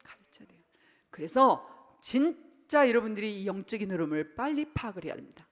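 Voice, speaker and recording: A woman pastor preaches a Sunday sermon in a church whose long reverb trails after every phrase. Her pitch sits mid-range for a woman as she moves from loud, punchy bursts down to near-whispered asides. She slips into voices to act out little family scenes. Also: a little fast. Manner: animated, swings between loud bursts and hushed asides. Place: church sanctuary.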